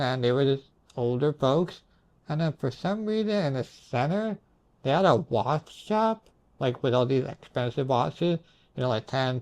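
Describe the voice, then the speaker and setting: A man's voice: mid-range voice, a little mellow. A young man telling his dreams in a casual, rambling way, hazy and puzzled as he trails off into asides. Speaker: storyteller recounting own dreams.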